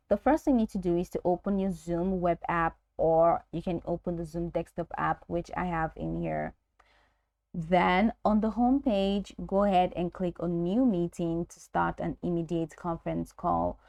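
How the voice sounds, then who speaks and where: A woman presenting a step-by-step software tutorial in an instructional manner, reading from a script with the occasional stumble. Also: fairly low pitch, steady tone, normal speed, gravelly, dry recording.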